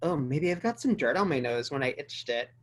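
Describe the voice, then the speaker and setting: A woman playing a self-conscious, dramatic sixteen-year-old girl in a comedy table read, expressive and girlish. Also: deep voice, fairly quick. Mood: embarrassed panic.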